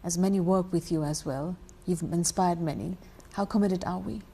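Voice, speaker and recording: Low, mellow-voiced woman TV host. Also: moderate pace, vocal fry, husky. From Nepal. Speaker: TV interviewer host. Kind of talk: broadcast interview.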